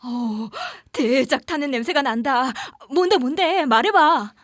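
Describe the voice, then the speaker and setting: An actress playing a nosy, excitable young woman who exclaims and teases in audio drama banter. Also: high-pitched, a little slow, no echo, clean studio sound. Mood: eager, teasing. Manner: exclamatory, teasing. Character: excitable, nosy young woman listening to a friend's scary story.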